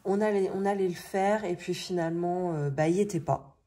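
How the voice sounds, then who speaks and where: French woman chatting casually, low mellow slightly rough morning voice, thinking out loud. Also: a little fast. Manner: colloquial, thinking aloud. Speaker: budgeting video host. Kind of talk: casual chatty vlog narration. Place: indoors at a table. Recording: noisy home recording with clicks.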